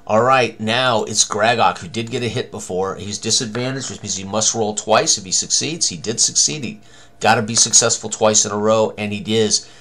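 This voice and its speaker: A man's voice: lowish voice, fairly even intonation, normal speed, fairly bright tone. An older man presenting a tabletop game tutorial at his computer, thinking aloud in short running commentary on rolls and tallies. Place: small room indoors, at a computer.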